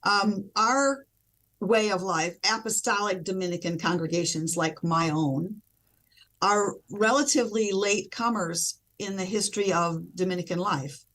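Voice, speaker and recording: A woman religious sister, a guest on a video call, explaining her community in a measured way. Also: mid-range voice, fairly bright tone, poor audio. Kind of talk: explanatory interview answers.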